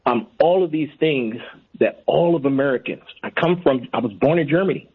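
A man's voice: medium pitch, moderate pace, husky. A man calling in to a radio show, speaking earnestly and repeating himself for emphasis. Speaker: caller. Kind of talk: call-in radio. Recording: tinny phone line.

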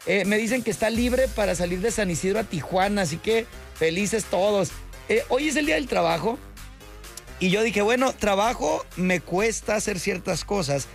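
A man's voice: high voice, lively intonation, normal speed, gravelly, soft background music. A man hosting an evening radio show, chatting casually and chummily with listeners. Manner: chummy, slangy, upbeat. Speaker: radio host. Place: radio studio.

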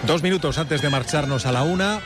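A man news reporter giving a brisk live report and handing over to a colleague. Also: a little high, music in the background.

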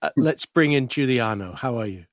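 A man's voice: medium pitch, lively intonation, moderate pace, no room sound. A man hosting a broadcast interview, asking curious questions in a polite, conversational way. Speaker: interviewer, programme host.

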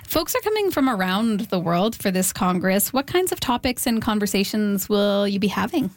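A woman hosting a radio interview, reading a polished introduction and asking clear questions. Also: medium pitch, big pitch swings, normal speed, dry recording, studio quality. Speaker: radio show host.

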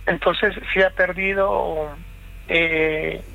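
A man from Chile calling in to a late-night radio show, telling a family story in a halting, reflective way. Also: high-pitched, flat delivery, vocal fry, narrow, tinny audio. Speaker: caller.

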